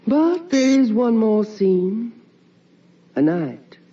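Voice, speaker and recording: A slow, mournful ghost wife. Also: female voice, fairly high pitch, big pitch swings, breathy edge, full character voice. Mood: haunted, solemn. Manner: slow, hushed, theatrical delivery. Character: mournful ghost of a wife and mother, longing and tender. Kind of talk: radio drama monologue. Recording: muffled old radio recording, distant mic.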